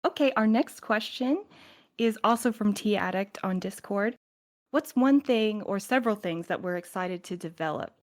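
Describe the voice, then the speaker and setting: A woman's voice: medium pitch, lively intonation, normal speed. A woman talking casually as a co-host on a podcast.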